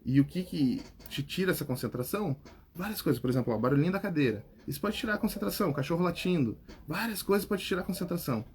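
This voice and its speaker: On a casual podcast with slight background noise, a Brazilian-accented public speaking coach replies to viewer comments, speaking straight to the viewer. His voice is a little high, expressive and somewhat mellow, he talks fast, and he ends points with "tá?" or "né?" as a "right?" check-in.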